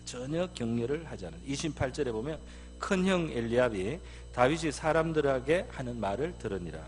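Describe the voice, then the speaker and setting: A man's voice: mid-range voice, lively intonation, brisk, faint music behind. Man preaching a sermon in a reverberant church. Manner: emphatic preaching with frequent "예" fillers. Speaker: pastor. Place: church sanctuary.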